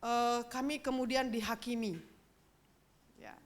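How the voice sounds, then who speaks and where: A woman's voice: a little high, steady tone, a little slow. A middle-aged woman pastor, giving a sermon as a chatty personal story and speaking straight to the congregation. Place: church.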